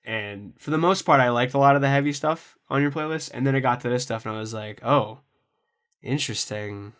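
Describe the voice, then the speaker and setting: A man's voice: medium pitch, quick pace, fairly bright tone, smooth. Enthusiastic, slangy young guy. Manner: enthusiastic, slangy, swears freely. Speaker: podcast co-host. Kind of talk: casual chat.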